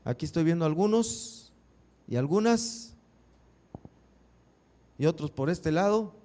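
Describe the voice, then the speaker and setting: A man's voice: fairly high pitch, lively intonation, slow, mellow. A man pastor preaching a sermon in a church, asking the congregation rhetorical questions.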